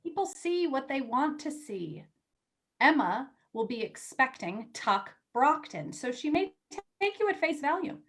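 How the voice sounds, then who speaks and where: A woman playing an eager, teasing young magazine editor in a staged play reading, talking in animated, halting bursts as she persuades. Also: high voice, full character voice. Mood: coaxing. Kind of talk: virtual staged play reading, naturalistic dialogue.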